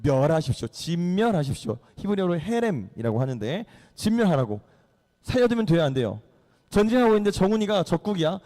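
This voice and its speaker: A man preaching a lively Bible story sermon to young listeners, acting out the characters and quizzing his audience. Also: high-pitched, brisk. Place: church hall. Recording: long hall reverb.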